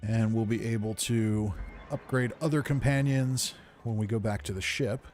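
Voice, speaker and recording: A man's voice: on the low side, fairly even intonation, normal speed, darkish tone, soft background music. A man giving easygoing, casual game commentary, thinking aloud as he plays. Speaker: gamer narrating playthrough.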